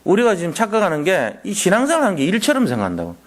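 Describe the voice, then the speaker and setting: A male pastor preaching a Friday night sermon. He is animated and drops into soft, low asides. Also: rapid-fire.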